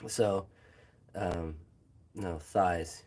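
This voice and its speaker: A young man, a phys ed teacher, chatting casually about his training with a hoarse, phlegmy throat and many fillers and pauses. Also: deep voice, fairly even intonation, a little mellow. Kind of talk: casual vlog chat while training.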